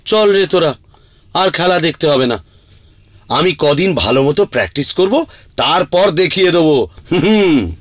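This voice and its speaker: Animated, good-natured cartoon strongman. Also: on the high side, measured pace, pauses often, dry recording, studio quality. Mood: sheepish but determined. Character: good-natured, confident cartoon strongman hero, well-meaning and clumsy. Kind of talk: Bengali children's cartoon dubbing. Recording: music behind the voice.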